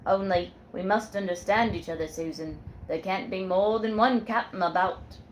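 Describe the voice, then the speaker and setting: A woman voicing a jealous male sailor who talks in blunt, loud nautical slang. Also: mid-range voice, normal speed, a little hiss or hum, close to an everyday voice, poor audio. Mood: blustering. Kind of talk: read-aloud storytelling.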